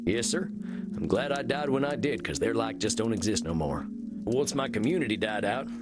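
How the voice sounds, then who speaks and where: An actor playing an earnest, self-effacing cowboy vampire, a reformed outlaw, with a folksy American Western drawl in a video game. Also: male voice, lowish voice, expressive, normal speed, over loud music, close to an everyday voice. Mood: wistful, reflective. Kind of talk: video game character dialogue.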